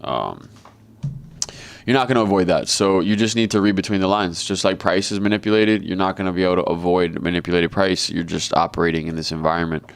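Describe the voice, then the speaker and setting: A man giving live trading commentary in a flat, monotone way, talking casually and bluntly with plenty of swearing over a video call. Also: low voice, a little fast, creaky, smooth, dry recording. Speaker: trader and market commentator.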